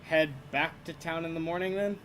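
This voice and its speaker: A man's voice: fairly high pitch, fairly even intonation, moderate pace, a crowd in the background, close to an everyday voice. A man voicing a weary non-player character in a tabletop game, who talks in a sighing, resigned way.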